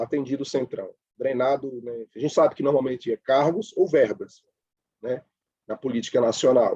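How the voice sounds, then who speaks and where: A man's fairly high-pitched voice has a dark, mellow tone and ordinary pitch variation, moving at a fairly quick pace in a dry, close sound with no echo. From Recife, Pernambuco, Brazil. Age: young. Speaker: newspaper reporter. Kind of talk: interview. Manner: halting.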